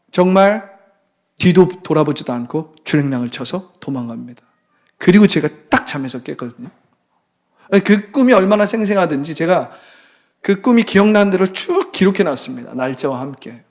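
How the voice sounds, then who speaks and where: A man preaching a sermon as pastor, telling a story dramatically and dropping suddenly to a hushed voice, with passionate exclamations. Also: sits high.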